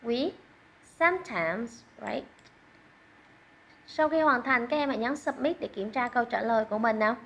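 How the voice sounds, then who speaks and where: A woman teaching English online, encouraging, repeating words slowly for learners, recorded close to the mic. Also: a little high, a bit bright, slight background noise. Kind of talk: online classroom lesson.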